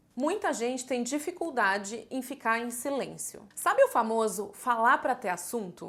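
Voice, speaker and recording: A woman's fairly slow speech in a Brazilian accent, full of very wide pitch swings. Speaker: lifestyle vlogger. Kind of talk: vlog monologue.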